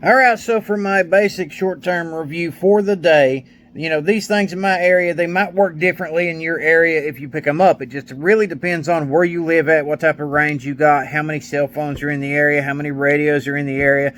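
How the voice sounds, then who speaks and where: A man's voice: on the high side, fairly even intonation, fairly quick, few pauses, fairly bright tone, slight background noise. A man giving a casual hands-on gadget review in a folksy, plainspoken way with colloquial grammar. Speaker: product reviewer, mechanic.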